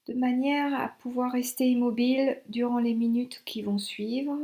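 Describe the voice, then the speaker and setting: A woman instructor leading a guided yoga relaxation in short instructional phrases with pauses. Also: on the high side, steady tone, dark tone.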